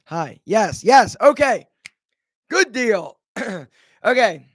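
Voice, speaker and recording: Chatty energetic man with an allergy-roughened voice. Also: high-pitched, extremely slow, no echo, clean studio sound. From Philadelphia. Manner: energetic, chatty, greets viewers by name. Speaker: livestream host. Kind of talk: casual live Q&A chat.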